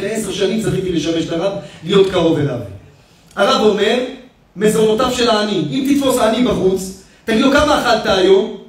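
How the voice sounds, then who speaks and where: A man, a rabbi, preaching an emotional sermon and telling stories, his delivery swinging between loud and hushed. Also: high-pitched. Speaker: rabbi giving a lesson. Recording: echoey hall, speaker far from the mic.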